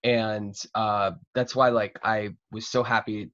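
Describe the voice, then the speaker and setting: A man's voice: fairly low pitch, little pitch movement, slow pace, fairly bright tone, highs cut off. A young man hosting a casual interview over a video call, effusive and free with swearing. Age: young adult. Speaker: talk show host. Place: home room, on a video call.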